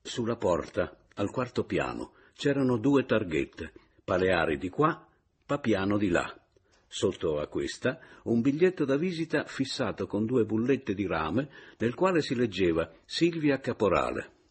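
A man narrating a literary novel as an audiobook reader, with expressive, varied intonation. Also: fairly low pitch, unhurried, husky.

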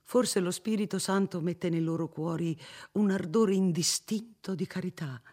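A man's voice: sits high, normal speed, a little mellow, pitched above the performer's own voice. Man reading as a fervent old cardinal. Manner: solemn, fervent preaching tone.

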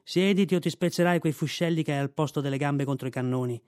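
Man doing a grumpy old army mule, higher voice, bossy n blunt, storybook. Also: darkish tone, smooth, dry recording, close to an everyday voice. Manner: scolding, brisk and blunt.

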